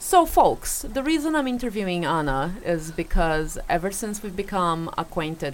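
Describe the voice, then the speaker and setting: A woman speaks in a Portuguese accent with ordinary pitch variation. Noticeable background noise sits behind her. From Brazil. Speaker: podcast host. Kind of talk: casual interview chat. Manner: animated.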